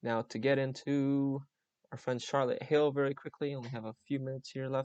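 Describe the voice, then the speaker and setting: The sound is dry and close, with no echo. A man talks at a moderate pace, his pitch medium and his intonation fairly even. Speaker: numerology and astrology content creator. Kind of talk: video commentary.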